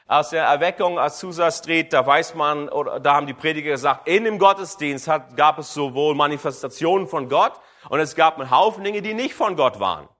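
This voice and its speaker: A man's voice: a little high, expressive, brisk, few pauses, a bit bright. A man preaching a sermon, addressing the congregation directly and calling for amens.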